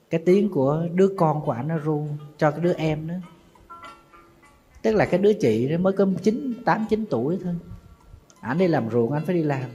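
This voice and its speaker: A Buddhist monk with a Southern Vietnamese accent tells a sorrowful story as a sermon, his voice sitting a little high for a man. He talks straight to his listeners in a slow, grieving way. Soft music plays faintly underneath. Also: slightly rough. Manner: mournful storytelling, calls himself teacher and addresses listeners directly.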